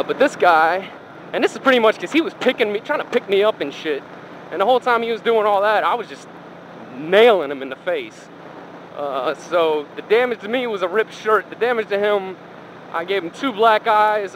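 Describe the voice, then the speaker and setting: A man's voice: high voice, lively intonation, normal speed, fairly bright tone, poor audio. A man telling a casual, rambling, profane story in colloquial speech, talking inside a helmet while riding a motorcycle. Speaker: motorcycle vlogger. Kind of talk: casual first-person storytelling. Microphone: helmet microphone. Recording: engine and road noise, helmet mic. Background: motorcycle and traffic noise.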